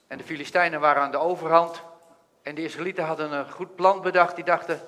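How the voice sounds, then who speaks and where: A man preaching, reading a Bible text and explaining it in an earnest, thoughtful way. His voice is bright and a little high for a man. A long reverb hangs after each phrase. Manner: earnest, thoughtful, pauses and restarts.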